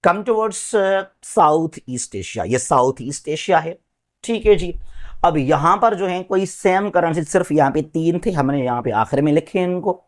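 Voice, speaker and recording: A man's voice: a little high, lively intonation, moderate pace. A man teaching a geography lesson, pointing along a map and repeating country and currency names, often checking in with his class. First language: Sindhi.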